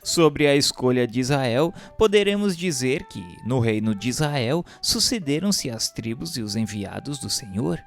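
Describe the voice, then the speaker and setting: A man's voice: medium pitch, sing-song, measured pace, vocal fry, few pauses. Solemn Brazilian male narrator over music. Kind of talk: solemn scripted narration of a religious text.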